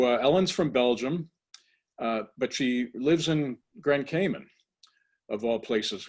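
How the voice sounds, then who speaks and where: A man hosting an interview who introduces his guest in a halting way, pausing often. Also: mid-range voice, darkish tone. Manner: halting, with many pauses. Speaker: host.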